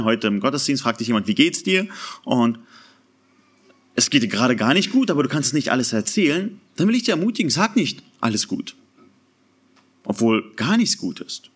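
A man preaching a sermon in an earnest, emphatic way, slowing down to stress key words. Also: fairly high pitch, a bit bright, slightly rough.

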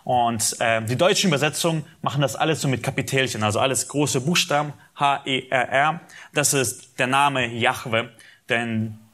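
A man's voice: medium pitch, normal speed, fairly bright tone. A man preaching a sermon, teaching from the Bible, speaking directly to his listeners and acting out quoted dialogue with animation.

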